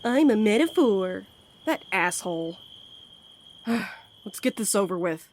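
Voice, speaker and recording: Sardonic postmaster played by a woman for audio drama: blunt, weary, casual, medium pitch, light outdoor night ambience. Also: animated, takes it slowly, a little mellow, a little hiss or hum. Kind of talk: scripted audio drama acting. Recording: faint outdoor cricket ambience. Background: crickets and night sounds.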